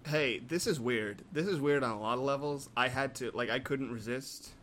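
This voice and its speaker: Guy ranting half joking, mid pitch, lil background hiss. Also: moderate pace, a bit bright. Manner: incredulous, rambling, mock-outraged. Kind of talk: casual comedic chat.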